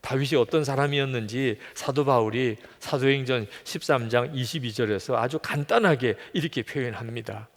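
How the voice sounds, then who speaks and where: A man's voice: medium pitch, moderate pace, hardly any pauses. A middle-aged man preaching a sermon as pastor, earnest, voicing God's words in quotes and sometimes dropping to a whisper. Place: church sanctuary. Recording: long hall reverb.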